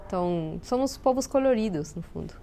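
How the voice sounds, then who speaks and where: A woman's voice: medium pitch, lively intonation, moderate pace, mellow, a little hiss or hum. A Peruvian woman with a Spanish accent, a native Spanish speaker, talking as an interview guest in a thoughtful, explanatory way and sometimes searching for words. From Peru. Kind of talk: casual interview chat.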